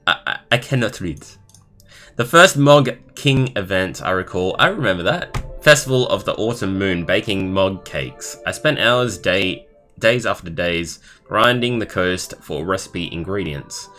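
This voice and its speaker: A young man live streaming, reading a story aloud in a halting way and adding casual comments of his own. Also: sits low, animated, bright, forceful tone. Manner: halting, stumbling over words while reading. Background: background music.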